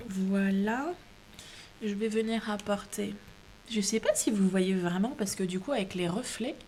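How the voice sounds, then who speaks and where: A woman's voice: medium pitch, darkish tone, slight background noise. French craft lady, chatty tutorial voice, lots of ums and restarts. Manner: chatty, many hesitations and restarts. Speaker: craft video host.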